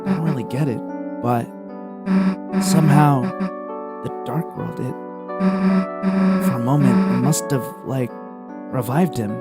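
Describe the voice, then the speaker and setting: A man voicing a brash, rough-talking monster girl from a game, blunt and swearing. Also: medium pitch, over loud music, lightly acted. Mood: gruff, puzzled. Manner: blunt, swears, slow gruff delivery. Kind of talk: voicing game dialogue on stream.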